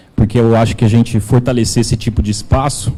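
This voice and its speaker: With a São Paulo interior accent, a man talks fairly quickly in a dark, mellow tone. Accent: caipira (countryside São Paulo state). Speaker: author, theatre researcher. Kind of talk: book launch talk. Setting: bookshop event with audience. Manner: hesitant, with fillers.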